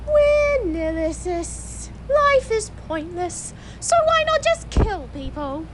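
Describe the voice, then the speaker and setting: A woman's voice: extremely high pitch, big pitch swings, slow, heavy background noise, full character voice. A woman playing a cynical, exasperated mercenary leader in an amateur audio drama. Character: cynical nihilist female mercenary leader posing as eco-terrorist.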